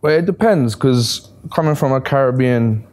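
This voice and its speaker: A man's voice: medium pitch, animated, normal speed, darkish tone. A man in his thirties, a panel guest talking in an easygoing, plainspoken way. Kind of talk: casual discussion. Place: bright studio room, city view.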